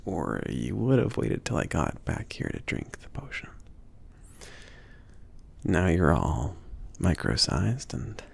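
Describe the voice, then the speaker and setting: A man performing a male mage and potion shop owner in an intimate ASMR roleplay. He talks very slowly and softly in a low voice that swings up and down in pitch. He is laid-back and reassuring, with a gentle teasing streak. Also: big pitch swings, vocal fry, slightly rough, full character voice. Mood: casual, teasing. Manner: hesitant, murmured, reassuring, chuckling. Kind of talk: ASMR roleplay, intimate one-sided conversation.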